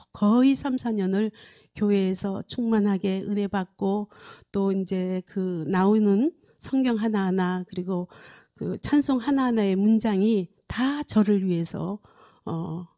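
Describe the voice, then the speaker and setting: A woman in her sixties from South Korea gives a personal testimony in an earnest, halting way, repeating phrases as she goes, speaking into a handheld microphone. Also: mid-range voice, mellow. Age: 60s. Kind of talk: personal testimony at a prayer meeting. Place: indoor studio set, standing at a lectern. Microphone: handheld microphone close to mouth.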